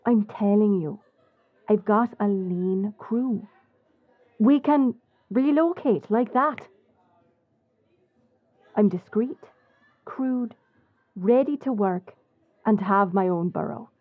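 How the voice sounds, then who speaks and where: A woman as a slow-talking roguish pirate smuggler, phone-like sound. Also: mid-range voice, no room sound. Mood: confident, pitching. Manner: unhurried, blunt, wry. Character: brash, crafty female pirate smuggler, wry and roguish. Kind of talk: swashbuckling audio roleplay acting.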